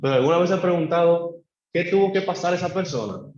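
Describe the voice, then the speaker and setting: A man's voice: quick pace, a little mellow. Man preaching in an echoey church. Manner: acts out a believer's pleading prayers to God; leads the congregation in call-and-response. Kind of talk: sermon. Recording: echoey church room, dull low-fi sound.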